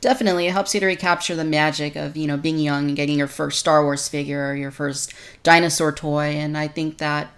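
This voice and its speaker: Low-voiced woman hosting a podcast. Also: steady tone, brisk. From Texas, United States. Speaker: podcast host. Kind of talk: conversational podcast discussion.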